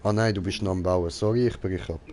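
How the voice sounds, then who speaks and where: A man's voice: low-pitched, steady tone, fast, darkish tone. A man with a Swiss German accent chatting casually while streaming a game, giggly, jokey and full of slang. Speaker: gaming streamer reading and answering chat. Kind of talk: casual gaming chat.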